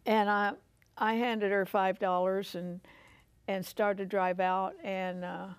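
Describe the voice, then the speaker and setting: A woman's voice: medium pitch, flat delivery, takes it slowly, smooth, no room sound. An older woman with an American accent hosting a conversational Christian television interview. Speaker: talk show host. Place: furnished living-room style TV studio set.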